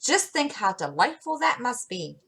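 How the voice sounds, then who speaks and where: A woman's voice: fairly high pitch, big pitch swings, unhurried, a bit bright, slightly rough, voice pushed up, exaggerated voice. A woman reading aloud and voicing a prim, reproving young lady in a storybook. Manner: reproving and proper. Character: prim, ladylike older sister Meg.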